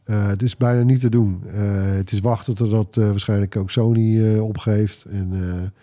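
A man's voice: lowish voice, fairly even intonation, moderate pace, warm tone. A man hosting a casual tech podcast, talking in a colloquial, opinionated way. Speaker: podcast host.

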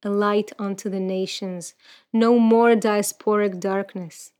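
A woman's voice: mid-range voice, fairly even intonation, slow, a little mellow. Earnest reflective woman from Ukraine. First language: Russian. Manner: earnest, reflective, with frequent restarts. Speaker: guest, activist and poet. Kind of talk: personal interview talk and poetry recital.

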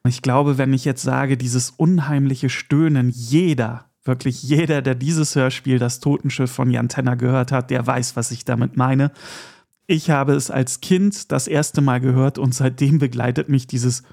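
Gravelly German man hosting a podcast. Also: medium pitch, fairly even intonation, measured pace, a little mellow. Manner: chatty and enthusiastic, with asides and small laughs. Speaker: podcast host. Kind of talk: casual podcast talk.

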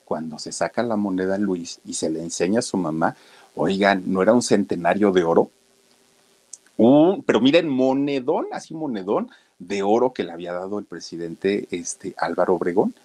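A man's voice: low-pitched, expressive, normal speed, a little mellow. A man with a Mexican accent telling a story to viewers in a chatty, folksy way, talking straight to his listeners. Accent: Mexican Spanish.

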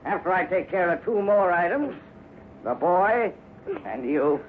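An actor playing a cold, scheming villainous colonel in a 1950s radio drama, speaking with menace. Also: male voice, high voice, animated, measured pace. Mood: cruel. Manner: menacing, sneering, shouts in a struggle. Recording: tinny old radio broadcast with hiss.

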